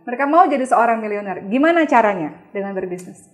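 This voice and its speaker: A woman interviewer who listens attentively, backchannels softly, and sums up for the viewers. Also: a little high, lively intonation, fast talker, faint music behind. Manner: attentive, frequent soft backchannels, summarizing for viewers. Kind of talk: conversational interview.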